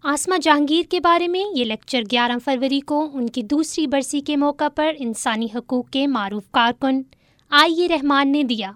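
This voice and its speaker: High-voiced woman radio reporter. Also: a bit bright, no room sound, studio quality. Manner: formal, clear reading. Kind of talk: scripted news report.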